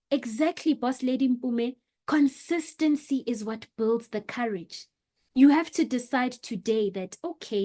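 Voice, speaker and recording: A woman leads an online public speaking workshop in a fairly high voice. She talks expressively and motivationally. She speeds up, slows down and drops her volume to stress her points. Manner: expressive, varies volume and pace for emphasis.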